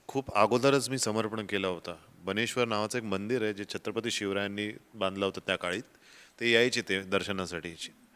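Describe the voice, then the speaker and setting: A man speaks at a fairly low pitch with fairly even intonation and a bright, sharp tone, on a very clean recording with a silent background. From Mumbai, India. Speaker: film actor. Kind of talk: interview.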